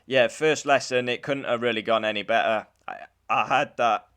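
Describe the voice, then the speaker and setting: A British man speaks at a medium pitch in an informal vlog style. He recounts things in a matter-of-fact, conversational way, as someone chatting to his viewers. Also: normal speed, a bit bright, clean tone. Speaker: vlogger, learner driver.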